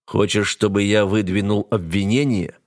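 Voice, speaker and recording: A man's voice: lowish voice, steady tone, moderate pace, close to an everyday voice. A man voicing a cold, domineering heir to the throne who issues level, menacing warnings. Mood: commanding. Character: cold, domineering male heir, the narrator himself.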